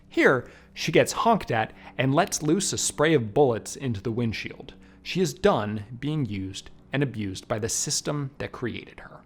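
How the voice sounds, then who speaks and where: A man's voice: medium pitch, slightly rough. A man narrating a scripted film review in an emphatic, wry way with casual asides. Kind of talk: scripted video essay narration.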